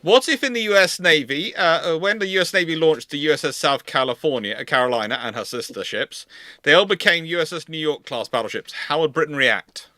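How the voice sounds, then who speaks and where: A man's voice: fairly high pitch, animated, brisk, sharp tone, dry recording. A man hosting a casual live question-and-answer chat, talking in a rambling, digressive way. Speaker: host of a live naval history Q&A.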